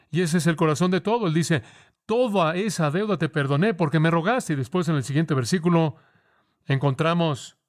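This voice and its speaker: Guy preaching a bible sermon, slightly higher voice, slow and emphatic. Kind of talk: expository sermon.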